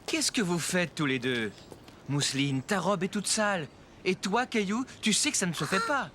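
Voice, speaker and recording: A man's voice: high voice, expressive, moderate pace, a bit bright, slight background noise. A man playing a caring, mildly stern father in a French children's cartoon.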